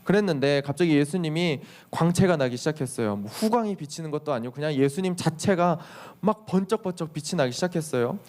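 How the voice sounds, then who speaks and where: A young male youth pastor gives a sermon to teenagers with a slightly raised voice. He tells the story in a lively way, acts out what people say with exclamations, and keeps turning to his listeners with questions. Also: fairly high pitch, brisk, few pauses. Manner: addresses the listeners directly with questions.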